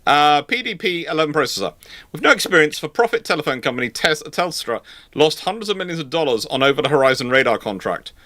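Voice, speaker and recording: A man's voice: a little high, sing-song, fast talker, pushed and bright, no echo, clean studio sound. A man hosting a casual live question session, explaining things in an emphatic, rambling, chatty way. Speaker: livestream host answering questions.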